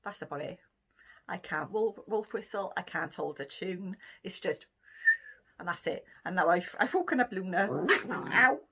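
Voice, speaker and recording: A woman's voice: fairly low pitch, expressive, normal speed, bright, forceful tone, husky. A middle-aged Welsh woman from Cardiff, chatting casually through a list of questions for her vlog, with frequent ums and laughter. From Cardiff, Wales. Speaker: vlogger. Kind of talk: casual chat answering a question tag.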